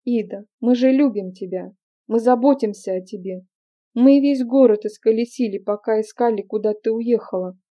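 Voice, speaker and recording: A woman voicing a gentle young man, a twin, who speaks softly in a coaxing, apologetic way, in an audiobook. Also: a little high, normal speed, natural voice. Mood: pleading. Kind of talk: audiobook character reading. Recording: dull lo-fi recording.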